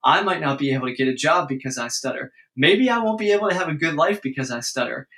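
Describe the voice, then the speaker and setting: A man's voice: on the high side, expressive, quick pace, fairly bright tone. A man, a speech-language pathologist, explaining his work in an earnest, conversational podcast interview with frequent restarts.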